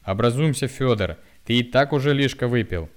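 A man's voice: mid-range voice, lively intonation, normal speed, clear, resonant tone, pitched above the performer's own voice, lightly acted. A man voicing a weary middle-aged village woman who pleads with and scolds her drunk husband in rustic speech. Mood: scolding plea.

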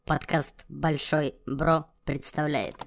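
A woman voicing a glitching robot announcer for a podcast intro, slow and mechanical through a robotic filter, with loud music behind. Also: low-pitched, little pitch movement, creaky, noisy background, heavily acted. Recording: jingle over loud music.

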